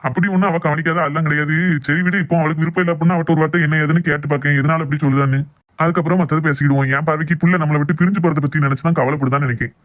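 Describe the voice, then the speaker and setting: Casting: man as assertive Tirunelveli village dad for cartoon drama, middle-aged, stubborn, very quick, slightly high voice. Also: fairly even intonation, close to an everyday voice. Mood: confident, reassuring. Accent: Tirunelveli Tamil. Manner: assertive, dismissive of objections. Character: stubborn middle-aged village father, protective of his family. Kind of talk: amateur cartoon family drama.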